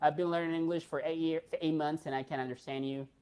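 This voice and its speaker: A young man from Peru with a Peruvian Spanish accent, hosting a casual live stream and chatting in a relaxed way with many fillers. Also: fairly high pitch, fast talker, clear, resonant tone.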